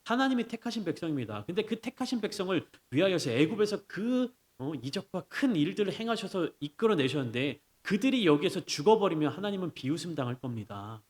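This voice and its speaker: A man preaching a sermon as pastor, explaining step by step, asking rhetorical questions, and rising to emphatic peaks before dropping to soft asides. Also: sits high, fast talker, hardly any pauses. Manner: animated preaching, swings between raised emphatic lines and soft drops.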